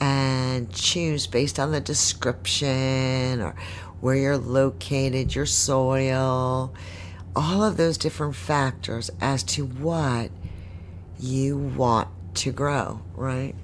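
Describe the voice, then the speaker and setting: Over audible room echo, a woman speaks at a very slow pace in a very deep, low voice. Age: 60s. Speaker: gardening podcast host. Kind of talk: casual monologue podcast. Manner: animated.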